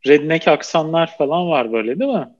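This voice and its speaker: A man's voice: on the high side, lively intonation, fast, lo-fi sound. A man chatting casually in an easygoing, joking way. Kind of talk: casual chat.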